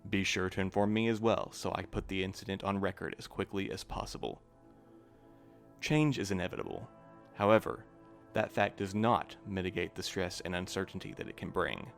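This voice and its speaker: A man playing a stiff, officious postmaster reading a formal staff letter in an audio drama, in a measured way. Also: low-pitched, steady tone, faint music behind. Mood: formal, concerned.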